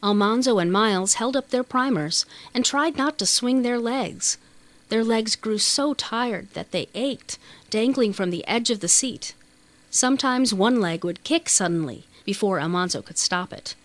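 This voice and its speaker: A woman reading a children's novel as an audiobook narrator, in a measured, expressive storytelling manner. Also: fairly high pitch.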